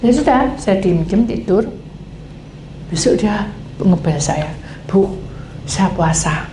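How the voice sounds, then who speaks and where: Woman pastor, storytelling sermon, warm dark tone, faint hiss on the recording. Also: fairly low pitch. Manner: acts out quoted dialogue, animated. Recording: echoey hall, faint noise.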